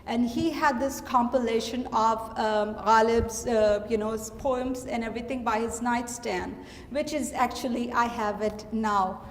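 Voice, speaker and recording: A middle-aged woman from Pakistan with a Pakistani accent, an artist giving a reflective, halting gallery talk about her work. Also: on the high side, fairly even intonation, slight background noise. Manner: reflective, halting with frequent fillers. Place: gallery hall. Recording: echoey gallery hall.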